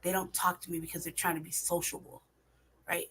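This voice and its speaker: A woman's voice: fairly low pitch, little pitch movement, a little fast, a bit bright, husky. Profane, emphatic woman ranting. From California, United States. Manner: profane, emphatic, rhetorical questions. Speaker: vlogger. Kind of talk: casual monologue.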